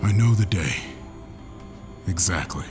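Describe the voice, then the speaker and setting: A deep male voice in an audio drama, grave and guarded. He speaks in short, clipped phrases over clearly audible music. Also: lively intonation, measured pace. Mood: stern. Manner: terse, clipped. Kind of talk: audio fiction acting.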